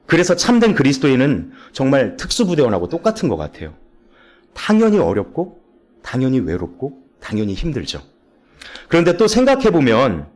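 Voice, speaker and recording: A young man preaching a sermon in church as a junior pastor, earnest and emotional, dropping soft and low on the hard moments.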